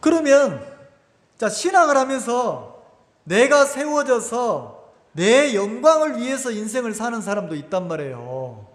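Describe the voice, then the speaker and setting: A man preaches in a high, animated voice that rises and falls sharply. He keeps asking his congregation rhetorical questions. The sound is echoey, with a long hall reverb from the church. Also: unhurried. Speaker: pastor. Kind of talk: sermon. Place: church sanctuary.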